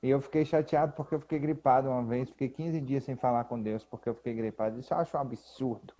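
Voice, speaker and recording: A man in casual talk about the Bible, animatedly reading scripture aloud slowly and with emphasis. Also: mid-range voice, steady tone, mellow. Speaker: co-host. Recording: dull lo-fi sound.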